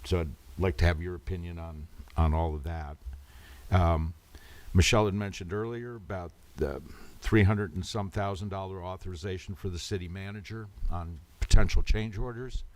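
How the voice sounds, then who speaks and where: A man speaking as the chair of a public council meeting in a measured, procedural way. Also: low voice, fairly even intonation.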